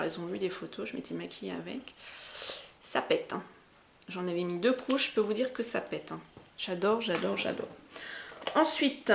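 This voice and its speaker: A woman's voice: mid-range voice, creaky, a little hiss or hum. A woman with a Berrichon accent chats through a makeup haul, talking to her viewers directly. She is talkative and enthusiastic and uses a lot of slang, at a voice height typical for a woman. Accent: Berrichon French. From Berry, France. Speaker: beauty vlogger.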